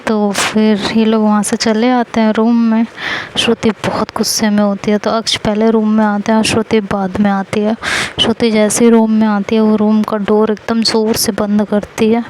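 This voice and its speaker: A woman's voice: mid-range voice, level tone, moderate pace, darkish tone, slight background noise, poor audio. A woman narrating a love story in a casual, chatty way, retelling each scene. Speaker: audio story teller.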